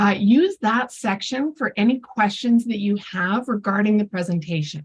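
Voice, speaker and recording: Here a woman speaks with a fairly high pitch and ordinary pitch variation. Her voice is somewhat breathy, at a moderate pace. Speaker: webinar host. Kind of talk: live webinar introduction. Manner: animated.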